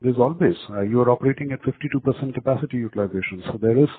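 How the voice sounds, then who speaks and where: A man's voice: medium pitch, rapid-fire, slightly rough, dry recording. A man, a company executive answering analysts on an earnings call, hesitant and full of fillers. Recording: phone-line conference call audio.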